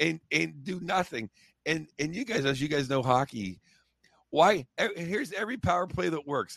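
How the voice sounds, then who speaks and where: A man with an American accent speaks at a moderate pace with lively intonation, his bright, sharp tone set at a fairly high pitch with vocal fry, in a dry, close sound with no echo and a quiet background. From Pittsburgh, Pennsylvania. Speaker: comedian. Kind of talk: casual chat.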